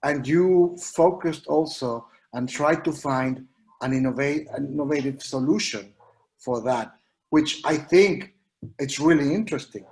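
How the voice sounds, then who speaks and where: A man from Mexico, speaking English as an on an online panel, earnest and halting with many restarts. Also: a little high, a little mellow, rough recording. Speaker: educator panelist.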